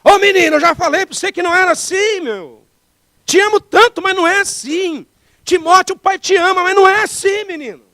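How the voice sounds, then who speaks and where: A man putting on the voice of an exasperated but loving father scolding his young son, in a high, strained tone. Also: a little fast, sharp tone, dry recording, clean studio sound.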